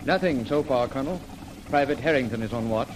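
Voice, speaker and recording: An actor playing an eager young tank lieutenant who is polite and deferential in a 1930s radio drama. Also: male voice, medium pitch, expressive, fast, lightly acted. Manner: polite, eager, keeps saying sir. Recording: noisy old radio recording.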